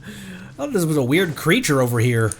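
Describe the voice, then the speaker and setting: Animated man chatting while streaming a game. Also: fairly high pitch, brisk. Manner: chatty, thinking aloud. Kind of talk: casual live gameplay commentary. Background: faint game music.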